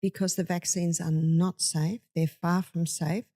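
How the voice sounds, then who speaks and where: A woman's voice: lowish voice, flat delivery, a little slow, mellow. An older woman speaking as a guest in a conversational interview, emphatic and storytelling, acting out quotes. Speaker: health speaker.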